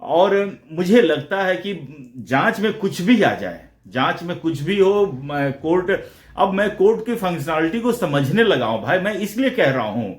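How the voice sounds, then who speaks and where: A man's voice: high voice, very animated, measured pace, echoey room. A man giving blunt, combative political commentary straight to his viewers, slipping English phrases into his Hindi. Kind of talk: opinionated solo commentary to viewers.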